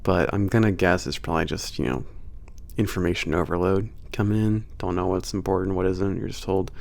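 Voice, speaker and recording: A man playing a teasing werewolf trainer with a bit of an attitude in an ASMR roleplay, gravelly, casual and hesitant in his banter. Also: low-pitched, fairly even intonation, brisk. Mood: casual explaining. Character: teasing, gruff-edged male werewolf trainer at a spaceport. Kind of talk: ASMR roleplay, naturalistic one-sided conversation.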